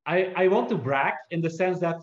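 A high-pitched Belgian man with Dutch roots, an entrepreneur and author, answers interview questions in a conversational way. He halts and restarts often and jokes about himself, and the recording is roomy and a little dull.

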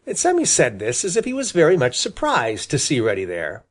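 Husky man with a lively storytelling voice. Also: mid-range voice, a little fast. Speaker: audiobook reader. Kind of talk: children's storybook narration.

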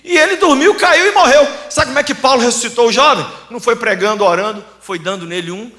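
A man preaching a sermon as pastor, animated and humorous, acting out little dialogues as he tells stories. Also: very high-pitched, fast. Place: church sanctuary. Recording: echoey church hall.

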